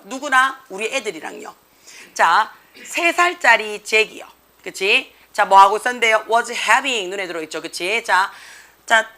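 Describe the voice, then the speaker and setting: Bright-voiced woman teaching English reading. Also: fairly high pitch. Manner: constant tag questions, checking with students. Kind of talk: classroom lecture explaining a reading passage.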